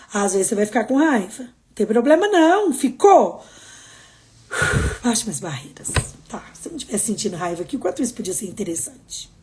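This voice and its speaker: Brazilian lady doing her daily live, high voice, goes loud then soft, chatty and expressive. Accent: Brazilian Portuguese. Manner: expressive, swings between emphatic and soft. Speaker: host of daily live streams. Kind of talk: casual motivational live talk.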